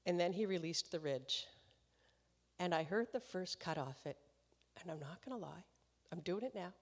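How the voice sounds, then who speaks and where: A low-voiced woman emcees a live concert, speaking to the audience in a chatty, easygoing way with frequent laughter. Her voice rings out with a long reverb tail from the concert hall around her. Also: lively intonation, moderate pace. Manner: chatty and warm-hearted, laughing between remarks. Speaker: concert series host. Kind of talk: live stage introduction to an audience.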